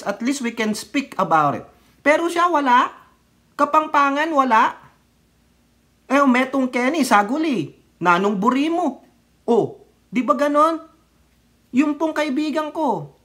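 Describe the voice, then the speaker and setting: High-voiced chatty man vlogging. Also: fairly bright tone. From Philippines. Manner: chatty, rambling, mixes Tagalog and English, asks viewers "di ba?". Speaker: political vlogger. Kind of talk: casual commentary vlog.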